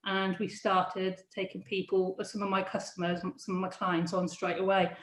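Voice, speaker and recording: A middle-aged woman, a careers adviser, talking in a halting, laughing interview manner with many restarts. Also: mid-range voice, level tone, a little hiss or hum. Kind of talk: casual interview chat. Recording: echoey room.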